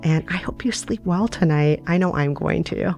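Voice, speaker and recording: A woman chatting reflectively and conversationally as a host on a relaxed bedtime podcast. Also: on the low side, normal speed, faint music behind.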